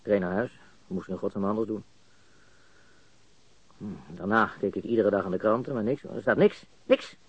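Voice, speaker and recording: An actor playing a baffled, cocky and coarse murder suspect in a radio crime drama, stammering and repeating words. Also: male voice, fairly low pitch, moderate pace, pauses often, breathy edge, dry recording. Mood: puzzled, uneasy. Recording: dull, lo-fi radio recording.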